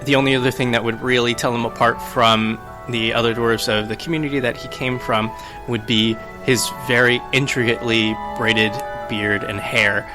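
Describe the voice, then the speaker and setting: A man playing a tabletop roleplaying game, describing his character in a measured, dryly understated way. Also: medium pitch, steady tone. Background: background music.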